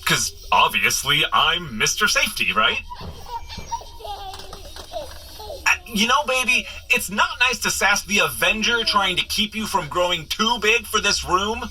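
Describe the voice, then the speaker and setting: A man's voice: high voice, very animated, moderate pace, hardly any pauses, bright, forceful tone, faint music behind, heavily acted, poor audio. A man playing a flustered, wisecracking superhero who rambles sheepishly as he coaches a runner in a comedic audio drama. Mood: apologetic, joking. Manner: rambling, sheepish, nervously joking asides. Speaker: character guide in an audio running adventure.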